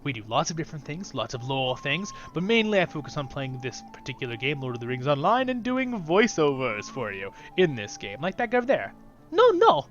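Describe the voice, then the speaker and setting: An upbeat man with a slightly high voice talks his viewers through a fantasy game in casual, chatty commentary. He drifts now and then into softer asides, with faint music underneath. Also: wildly swooping pitch, fairly quick, dull audio. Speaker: YouTube channel host.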